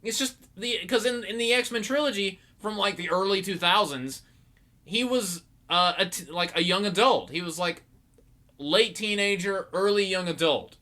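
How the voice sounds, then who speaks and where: A young man with a very bright, sharp voice, pitched a bit high for a man. He hosts a podcast and rambles through an excited movie review, stumbling over his words and restarting often. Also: moderate pace. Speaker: podcast host. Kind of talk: casual movie review monologue.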